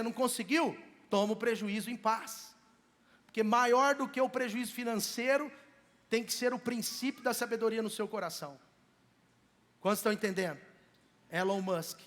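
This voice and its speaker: A man's voice: very high-pitched, normal speed, fairly bright tone. A man with a Brazilian Portuguese accent, from Minas Gerais, preaching a sermon as pastor in a church, telling stories in a conversational way. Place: church sanctuary. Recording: long reverb of a church hall.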